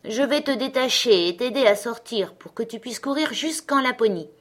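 A woman's voice: a little high, lively intonation, normal speed, a bit bright, pitched above the performer's own voice. A woman voicing a fierce, wild little robber girl who talks in a bossy, teasing way.

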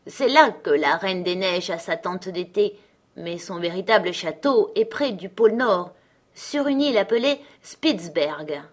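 A gentle, homesick reindeer, voiced by a woman narrator in a storybook. It talks slowly and dreamily. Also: mid-range voice, lively intonation. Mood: dreamy.

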